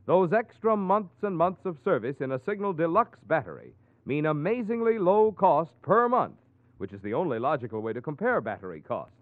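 A man's voice: on the high side, sing-song, normal speed, dry recording. A man reading a 1940s radio commercial as announcer, with an emphatic question-and-answer sales delivery. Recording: tinny, dry old radio recording.

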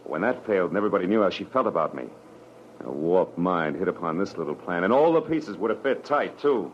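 A man acting a wry, world-weary private detective in a 1940s radio drama, with clipped, slangy, deliberate delivery. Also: deep voice, expressive, slight background noise. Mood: grim, wry. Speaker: lead actor and narrator. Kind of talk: 1940s radio drama acting, first-person noir narration. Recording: muffled old radio broadcast, music behind.

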